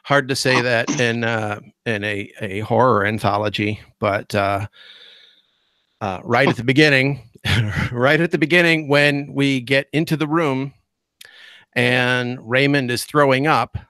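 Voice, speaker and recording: A man's voice: medium pitch, measured pace, bright, forceful tone, clean tone, dry recording. A man as guest host of a podcast, gushing with enthusiastic fan praise in casual chat.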